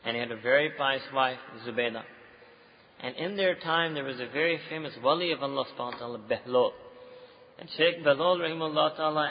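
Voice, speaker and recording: A man with a South Asian accent preaching to a live audience as an animated storyteller, often checking in with listeners. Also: fairly high pitch. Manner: animated storyteller, switching languages, with rhetorical check-ins. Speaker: Muslim preacher. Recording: echoey hall, dull muffled sound.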